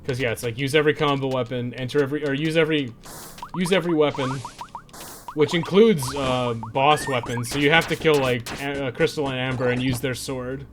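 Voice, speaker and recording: Streaming a game, a man chats casually, rambling along and swearing freely. His medium-pitched voice moves at a brisk pace, with background noise in the audio.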